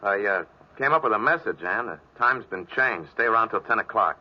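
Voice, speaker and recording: An actor playing a terse, sullen small-time hood in a 1940s radio noir drama. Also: male voice, on the low side, expressive, a little fast. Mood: curt, tense. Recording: noisy, dull old radio recording.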